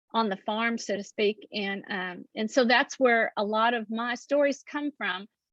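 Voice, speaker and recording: A woman's fairly high, bright and sharp voice at a fairly slow pace, with ordinary pitch variation and a dry, close sound against a quiet background. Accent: Appalachian. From Southeastern Ohio, Appalachia. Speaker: poet. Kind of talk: interview. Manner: hesitant, many fillers.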